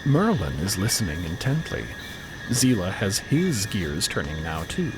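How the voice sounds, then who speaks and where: Lively, low-voiced man narrating drama. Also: unhurried, background noise. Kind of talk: scripted dramatic storytelling narration. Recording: voice under loud background music.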